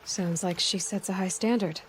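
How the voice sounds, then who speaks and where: A woman's voice: lowish voice, steady tone, moderate pace, a little hiss or hum, close to an everyday voice. A young woman playing a determined, guarded young tribal huntress in a video game, with a direct, questioning manner. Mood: inquiring, direct. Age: young adult. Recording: music behind the voice.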